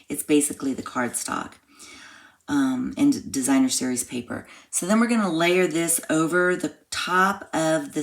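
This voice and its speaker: Slightly hoarse low-voiced craft teacher. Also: female voice. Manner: chatty step-by-step explaining while crafting. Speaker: craft class instructor. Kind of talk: live card-making tutorial. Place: home craft room.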